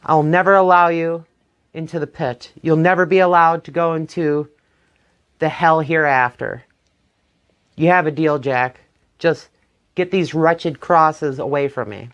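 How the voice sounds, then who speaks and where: A storyteller voicing a devilish tall dark stranger who has come to collect a soul, speaking in a stern, commanding way in a told folktale. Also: medium pitch, steady tone, unhurried, clear, resonant tone, muffled recording, close to an everyday voice. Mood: rattled. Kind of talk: oral folktale telling.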